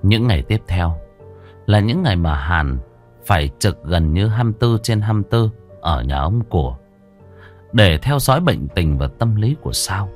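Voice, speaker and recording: A man narrating a scripted horror story with a dramatic, expressive reading. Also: sits low, normal speed, soft background music.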